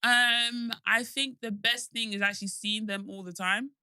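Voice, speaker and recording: A woman in her twenties co-hosting a podcast, soft-spoken and reflective as she chats with friends. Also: a little high, fairly even intonation, normal speed, clean tone, no echo, clean studio sound. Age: 20s. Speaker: podcast co-host. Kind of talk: casual chat.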